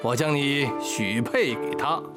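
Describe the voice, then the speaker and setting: An actor playing a genial, scheming official in a period drama, speaking in an officious, coaxing and effusive way. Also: male voice, medium pitch, a little slow, natural voice. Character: scheming genial official, male army inspector matchmaking over wine. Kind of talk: Chinese period drama acting. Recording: loud background music.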